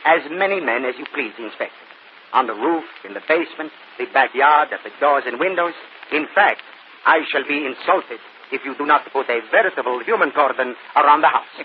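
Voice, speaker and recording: A man's voice: a little high, lively intonation, a little fast, slight background noise, natural voice. Man doing a stately showy magician, very formal, muffled old radio. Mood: grand. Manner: formal, stately speech without contractions. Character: proud formal stage magician, grandly theatrical. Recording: muffled vintage radio broadcast.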